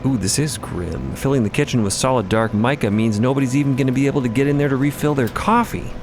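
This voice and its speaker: A man's voice: mid-range voice, fast, over music. A man narrating a fiction podcast in the present tense, vividly descriptive with conversational asides.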